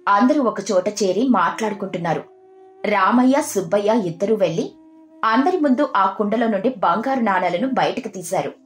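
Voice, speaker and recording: A woman's voice: mid-range voice, expressive, moderate pace. A woman storyteller narrating a scripted tale, recorded with a roomy echo. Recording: roomy echo, music underneath.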